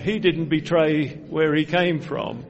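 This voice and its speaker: A man with an Australian accent preaching, telling a story in short phrases and pausing for an interpreter. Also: on the high side, gravelly, highs cut off. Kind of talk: sermon in English with live interpreter.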